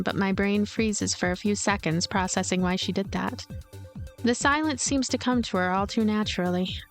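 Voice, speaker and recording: A woman reading a story game aloud as a let's player, mixing narration with casual commentary. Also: mid-range voice. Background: music.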